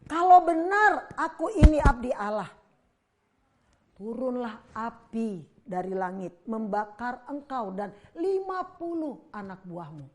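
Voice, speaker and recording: A woman's voice: mid-range voice, animated, takes it slowly, hardly any pauses, a little mellow, a little hiss or hum. A woman voicing a stern male prophet who speaks a solemn, emphatic pronouncement in a children's Bible story.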